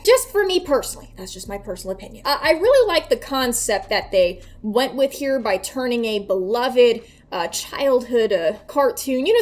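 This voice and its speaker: Woman in her 20s, fairly high pitch, casual reaction commentary, mock-dramatic, sardonic, profane. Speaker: reaction video host. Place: small bedroom, indoors.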